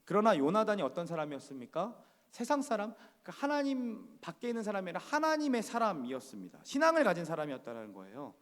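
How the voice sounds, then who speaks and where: In a church sanctuary with reverberant hall acoustics, a male pastor preaches a sermon in a high voice, speaking quickly with huge swings in pitch. His tone is conversational, and he frequently puts questions to the congregation.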